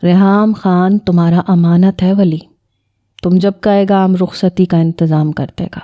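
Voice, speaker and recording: A woman voicing a calm, accommodating older mother-in-law. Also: lowish voice, no room sound, highs cut off, lightly acted.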